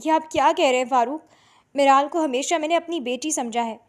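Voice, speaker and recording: A woman voicing a soft-spoken timid wife. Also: high-pitched, close to an everyday voice. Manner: soft, hushed. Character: gentle timid middle-aged wife.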